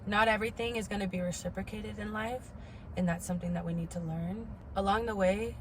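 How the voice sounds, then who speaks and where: A woman's voice: mid-range voice, slight background noise. A woman in her twenties giving a candid personal talk to camera, stressing points emphatically by repeating words. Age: 20s. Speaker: vlogger.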